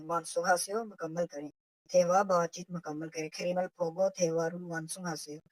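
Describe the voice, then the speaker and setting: A woman's voice: fairly low pitch, a little mellow, no echo, poor audio. A woman, teaching a recorded language lesson from a textbook. She explains step by step and repeats the example phrases.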